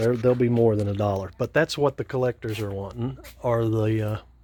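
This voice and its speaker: Medium in pitch with ordinary variation, a man's voice has a dark, mellow tone and is somewhat breathy. He talks at a moderate pace. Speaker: hobby vlogger. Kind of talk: casual vlog walkthrough.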